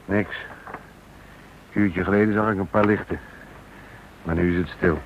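Plain-spoken army private, deep voice, subdued; wartime radio play, noisy tape. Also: male voice, steady tone, moderate pace. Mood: uneasy. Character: dutiful, plain-spoken Dutch soldier on night watch. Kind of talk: radio drama acting. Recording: dull radio recording with clear noise.

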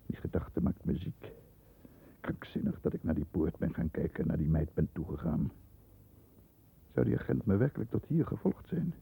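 Deep, husky, stern barrister with gravelly edge. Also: male voice, very animated, normal speed, warm tone, full character voice. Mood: grave, tense, then uneasy, self-controlled. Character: stern, controlled barrister shielding his wayward brother, narrating events. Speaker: actor playing narrator and lead. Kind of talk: 1960s Dutch radio thriller acting, first-person narration.

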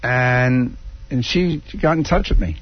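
Stammering middle-aged man, slightly husky. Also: medium pitch, measured pace, dry recording. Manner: rambling, stammering, repeats himself. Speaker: guest comedian. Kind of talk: casual radio chat. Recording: dull lo-fi radio audio.

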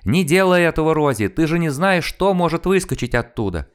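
A man's voice: a little high, sing-song, a little fast, clear, resonant tone, pitched above the performer's own voice. A man voicing a woman's anxious, prim inner voice of caution in an audiobook, pleading and alarmed.

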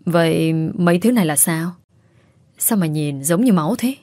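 Woman playing a bossy, stubborn mother-in-law, naggy and insistent, low-ish voice, dry. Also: animated, moderate pace, a little mellow, no echo, lightly acted. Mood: worried. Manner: nagging, insistent. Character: domineering older mother-in-law, stubborn and shrill.

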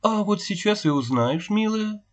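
A man voicing a gentle, persuasive woman official who speaks softly and coaxingly. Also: low voice, very animated, a little slow, breathy edge, voice pushed up, full character voice. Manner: soft, coaxing. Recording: dull lo-fi recording.

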